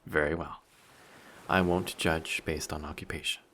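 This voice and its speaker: A man's voice: very deep voice, fairly even intonation, unhurried, a bit bright, slight background noise. A man playing a handsome, vain, flirty sea monster posing as a passenger in a roleplay audio drama, with a polite, formal, teasing and self-assured manner. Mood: amused, flirty.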